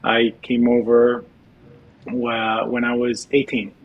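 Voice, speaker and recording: A man's voice: mid-range voice, monotone, takes it slowly, phone-quality sound. A middle-aged man from El Salvador, a podcast guest telling his life story in a reflective way, with many restarts. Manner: reflective, frequent restarts and fillers. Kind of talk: podcast interview.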